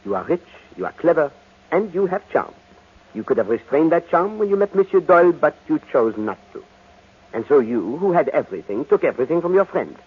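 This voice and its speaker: A courteous, astute detective with a French accent in a vintage radio play. His voice is rough-edged and expressive, with formal, gently probing phrasing. The sound is thin and boxy, like an old broadcast. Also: fairly high pitch, fairly quick. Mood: probing, candid. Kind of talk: old-time radio drama acting. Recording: tinny, band-limited old radio recording.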